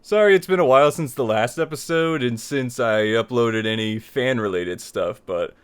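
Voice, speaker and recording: A man with a smooth, clean voice at an ordinary male pitch hosts a tutorial. He talks informally to his viewers, circling back to restate points as he explains. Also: normal speed. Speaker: host of a tutorial series on making visual novels. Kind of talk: casual scripted-outline tutorial talk to viewers.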